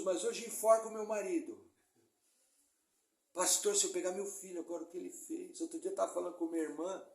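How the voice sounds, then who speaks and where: High-voiced joking preacher man. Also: creaky. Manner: lively, joking preaching with mimicked congregation quotes. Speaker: pastor. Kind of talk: sermon. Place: church hall. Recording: echoey church hall.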